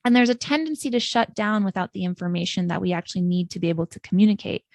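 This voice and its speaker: A woman's voice: lowish voice, darkish tone, no room sound. Earnest woman co-host, dry close sound. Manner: measured, affirming, earnest. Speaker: podcast co-host, English teacher. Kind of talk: scripted podcast discussion.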